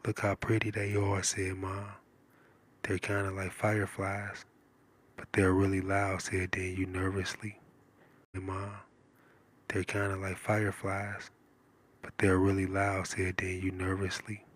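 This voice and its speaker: A man reading a children's storybook aloud in a soft, partly whispered ASMR style, with lingering repeated remarks. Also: low-pitched, completely flat delivery, unhurried, husky. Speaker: live stream story reader.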